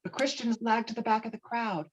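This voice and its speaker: A woman's voice: a little high, fairly quick, breathy edge, dull audio. A woman reading stage directions as scripted narration for a virtual table read, recorded over an online call. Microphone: online call microphone.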